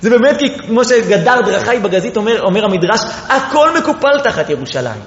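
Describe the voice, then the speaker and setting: A man giving an impassioned Torah lecture, moving from quiet explanation to rising, pleading exclamations and often restarting his sentences. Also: big pitch swings. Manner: apologizes for being disorganized, restarts often. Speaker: Torah teacher. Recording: echoey hall, dull lo-fi sound with faint rumble.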